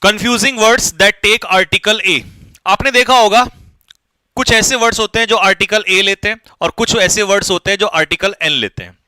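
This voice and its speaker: A man's voice: high voice, fairly quick, pushed and bright, clean tone, dry recording. A man teaching English grammar, urging students to hurry and asking and answering his own questions. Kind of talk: online exam-prep lesson.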